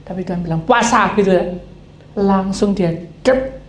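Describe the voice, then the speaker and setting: A woman's voice: mid-range voice, normal speed. A woman pastor, telling a story in a sermon and acting out the voices of the people in it. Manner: acts out quoted dialogue, animated. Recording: echoey hall, faint noise.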